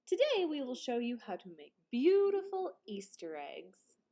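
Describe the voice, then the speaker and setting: Woman playing a storybook bunny, cheerful, instructive, easily exasperated, swooping pitch, unhurried. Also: wildly swooping pitch, exaggerated voice. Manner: instructional, announcing steps brightly.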